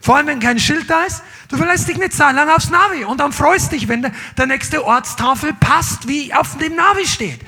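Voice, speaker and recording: A middle-aged man preaching a sermon to a congregation, swinging between loud calls and low asides. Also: animated, normal speed, hardly any pauses. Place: church hall with live congregation.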